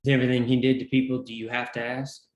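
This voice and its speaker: A man's voice: mid-range voice, level tone, quick pace, darkish tone, roomy sound, highs cut off, natural voice. A man playing a defiant, protective jailed prisoner with clipped delivery in a drama table read.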